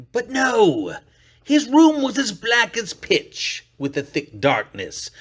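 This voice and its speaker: A man's voice: on the high side, fairly bright tone, slightly rough, heavily acted. A man doing a theatrical unhinged villain. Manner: theatrical villain voice with sudden whispers and outbursts. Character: sly unhinged male murderer narrating his crime. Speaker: reader. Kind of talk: dramatic reading.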